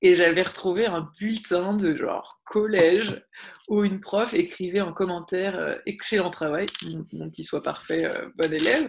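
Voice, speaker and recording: The speech moves at a moderate pace while noticeable background noise runs beneath it. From France, Paris suburbs. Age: 20s. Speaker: coach and public speaker. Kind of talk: interview. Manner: animated.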